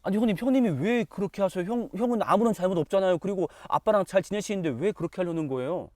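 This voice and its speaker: A man's voice: high voice, fast, a little mellow, no echo, pitched above the performer's own voice, lightly acted. A man voicing an anxious, pleading younger adopted son, in a raised, flustered voice. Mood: bewildered.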